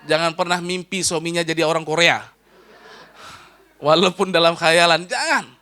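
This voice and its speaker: A man giving a lively, joking sermon-lecture to a live audience as an Islamic preacher, his voice leaping up and falling low. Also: normal speed. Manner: animated, joking with the audience, rising and dropping sharply.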